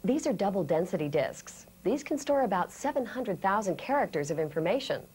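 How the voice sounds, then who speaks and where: An American woman in her thirties presenting a scripted training lesson, explaining things clearly step by step. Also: mid-range voice, sing-song, brisk, darkish tone. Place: indoor studio set.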